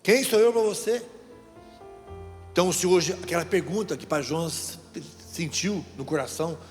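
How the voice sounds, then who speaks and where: A man's voice: sits high, normal speed. A middle-aged man with a Brazilian Portuguese accent, a deacon giving a sermon in a conversational storytelling way that speaks straight to the listeners. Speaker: deacon preacher. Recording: reverberant hall with faint music.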